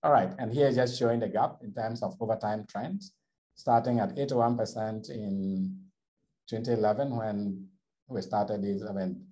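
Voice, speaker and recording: A man with a low, mellow voice walks through survey results on slides, speaking in a measured, explanatory way. He restarts phrases often as he talks over the charts on a video call. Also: fairly even intonation, low-quality recording. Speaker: survey researcher presenting findings. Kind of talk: presenting slides on a webinar.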